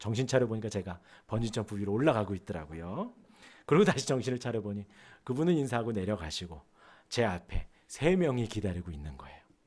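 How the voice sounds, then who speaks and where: A man's fairly low voice at a very fast pace, lively intonation and big swings in loudness, on a very clean recording with a silent background. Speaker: pastor. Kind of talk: sermon.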